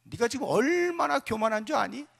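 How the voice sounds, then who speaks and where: A man voicing a gruff, impatient older brother who scolds his youngest sibling with blunt questions in a sermon retelling. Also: on the high side, lively intonation, brisk, fairly bright tone. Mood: scolding. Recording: echoey church sanctuary.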